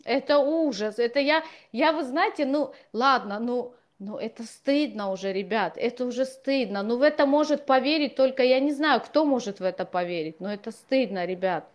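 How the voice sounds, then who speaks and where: High-pitched, exasperated woman debating. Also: normal speed, few pauses, highs cut off. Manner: insistent, exasperated, interrupting. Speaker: live stream host. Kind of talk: argumentative live debate. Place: small indoor room at home. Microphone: wired earphone headset.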